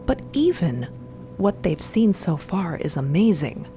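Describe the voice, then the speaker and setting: A woman's voice: lowish voice, very animated, a little slow, mellow, slight background noise. A woman giving dramatic scripted narration for a fiction podcast. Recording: voice over prominent music. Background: music.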